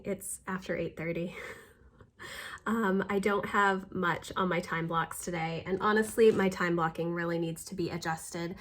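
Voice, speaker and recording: A middle-aged woman talking casually and candidly to her vlog audience, chatty and self-deprecating about her busy day as a mom. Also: medium pitch. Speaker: homeschooling mother and vlogger.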